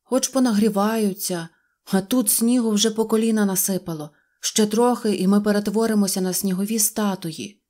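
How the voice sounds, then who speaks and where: A woman voicing envious, freezing male toy foot soldiers who complain slowly. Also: medium pitch, dark tone, close to an everyday voice.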